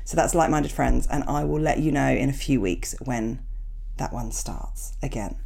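A woman in her thirties with a cold, hosting her podcast in a rambling, self-mocking chat with a croaky, gravelly voice. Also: a bass voice, normal speed, darkish tone. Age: 30s. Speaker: podcast host. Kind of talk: chatty podcast intro, reading listener emails.

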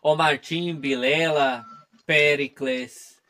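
A man's voice: a little high, fairly even intonation, slow, pushed and bright. A man from Puerto Rico with a Spanish accent, hosting a podcast interview in Portuguese as a second language, with short affirming replies. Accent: Puerto Rican Spanish. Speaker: podcast host, historian.

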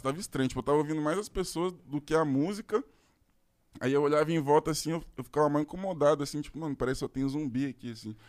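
A man with a Brazilian accent telling a long personal story in casual podcast chat, rambling and full of slangy filler words. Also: medium pitch. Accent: Brazilian Portuguese.

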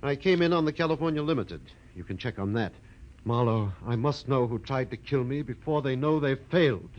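A man's voice: mid-range voice, expressive, fairly quick, lo-fi sound, lightly acted. Actor as wheezy, nervous businessman. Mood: anxious, explaining. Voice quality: wheezy, coughing smoker's voice. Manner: nervous, urgent, fussily polite. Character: anxious, fussy, wheezing male cosmetics businessman. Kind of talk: 1940s radio drama acting. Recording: noisy vintage 1940s radio broadcast.

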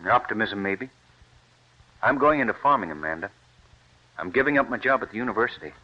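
A young man with a low voice that swings widely in pitch, earnest and intense. The muffled old radio recording dulls the sound. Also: expressive, a little fast. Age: young adult. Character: earnest young man, stubborn scientist-turned-farmer. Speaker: young scientist turned farmer. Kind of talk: 1940s radio acting.

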